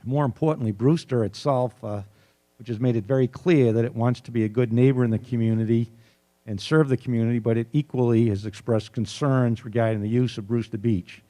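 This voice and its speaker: Mellow man moderating a public forum. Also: medium pitch, steady tone. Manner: measured, neutral, explanatory. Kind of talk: moderating, reading out submitted questions. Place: arts center candidate forum.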